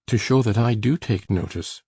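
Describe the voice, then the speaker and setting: A sullen, resentful teenage farm boy speaks low and gruff, as a woman reader puts him on. The voice sits very deep and husky, with a dark tone. It is recorded dry and close. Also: moderate pace, dry recording, exaggerated voice.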